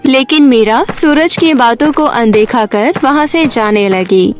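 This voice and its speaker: Woman storyteller for kids, high voice, scripted narration, bit of music underneath. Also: measured pace. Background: background music.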